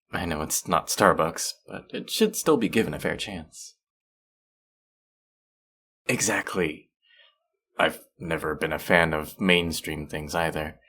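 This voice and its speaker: A man's voice: deep voice, fairly bright tone, full character voice. A man playing a friendly, teasing, slightly bashful young traveler in a casual, intimate one-sided audio roleplay.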